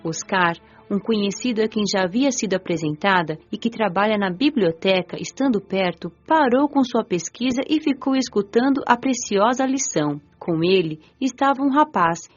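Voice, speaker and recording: A woman narrates a dramatized spiritual story in a gentle, reflective voice with a lively melody. The audio is slightly muffled, with a soft music bed behind her. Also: mid-range voice, normal speed, hardly any pauses. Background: soft background music.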